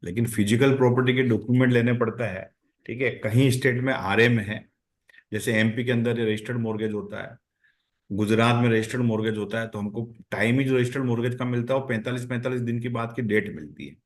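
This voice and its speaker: A man's voice: mid-range voice, brisk. A man with an Indian accent answering as a company executive on an earnings call, explaining step by step and repeating phrases for emphasis.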